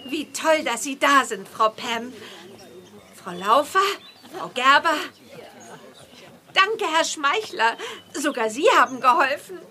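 Bright, high-voiced young witch girl. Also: animated, slow pace, long pauses, exaggerated voice. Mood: delighted, grateful. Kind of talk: children's audio drama acting.

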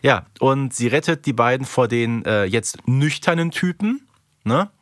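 A man's voice: mid-range voice, lively intonation, measured pace, no echo, clean studio sound. A man co-hosting a podcast with casual, wry, playfully exaggerated humorous commentary. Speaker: podcast co-host.

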